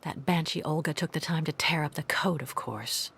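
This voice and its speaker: A bitter woman adventurer from a video game. Her voice is very low and extremely husky, with a gravelly creak, and she sounds exasperated. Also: normal speed, a bit bright, exaggerated voice. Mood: bitter muttering. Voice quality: breathy, husky.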